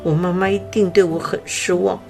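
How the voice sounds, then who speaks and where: A woman's voice: fairly low pitch, fairly even intonation, brisk, creaky, warm tone, faint music behind. A woman voicing an earnest, anxious young male black bear cub in a storybook, with a childlike, eager voice. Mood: sad. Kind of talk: storybook character voice.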